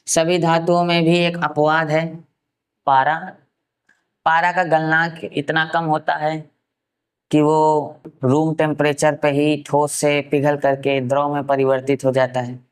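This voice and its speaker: Man with a smooth, resonant teaching voice. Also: fairly high pitch, little pitch movement. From Uttar Pradesh, India. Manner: asks rhetorical questions and answers them himself; repeats key terms slowly for note-taking. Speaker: science teacher. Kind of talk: classroom science lecture.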